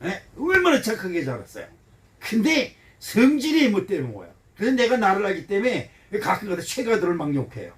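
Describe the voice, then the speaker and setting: A man in his seventies, a pastor giving a folksy, animated sermon and asking his congregation questions. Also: high-pitched, brisk. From Korea. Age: 70s. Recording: voice heard from some distance.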